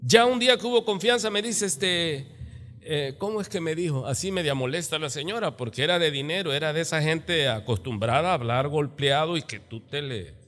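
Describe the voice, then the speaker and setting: A middle-aged man with a Mexican accent preaching a sermon as pastor, lively and acting out the voices of church members. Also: on the high side, fairly quick, long reverb tail. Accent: Mexican Spanish. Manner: animated, acts out church members in quoted voices. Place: church sanctuary.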